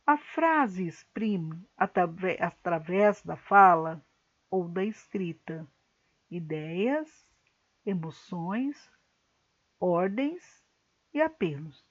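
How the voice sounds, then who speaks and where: A woman teacher with a Brazilian Portuguese accent, reading a grammar lesson slowly and carefully to her class. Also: lowish voice, big pitch swings, lo-fi sound. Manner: slow, careful explanatory reading. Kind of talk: recorded online grammar lesson.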